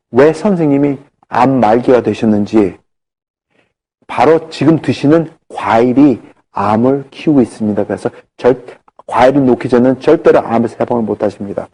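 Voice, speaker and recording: A middle-aged man with a medium-pitched, slightly rough voice gives a health lecture at a normal pace. He's animated, telling stories and acting out the dialogue within them.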